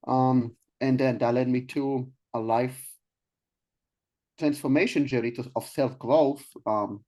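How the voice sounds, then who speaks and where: Interview guest: young man from Israel, mid-pitched, hesitant and halting, full of pauses. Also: fairly even intonation, darkish tone. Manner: hesitant, many ums and restarts. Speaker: guest, life coach. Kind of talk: casual interview talk.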